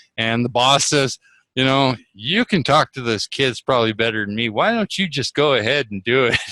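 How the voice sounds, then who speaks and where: A man's medium-pitched voice at a moderate pace, ordinary pitch variation, bright and sharp in tone, with a dry, close sound, no echo, and a quiet background. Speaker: guest on a talk stream. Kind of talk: casual chat. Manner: free-flowing, talkative; articulate.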